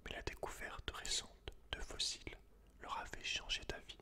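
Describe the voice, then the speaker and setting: A man whispering in an ASMR style, hushed and intimate, as a host chatting and reading aloud to one listener. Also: normal speed.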